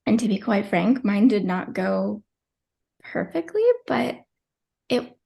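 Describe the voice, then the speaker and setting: Gravelly young woman telling her story. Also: mid-range voice, slow pace, warm tone. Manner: tearful at times, chatty with many likes. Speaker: podcast guest. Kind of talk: emotional personal storytelling.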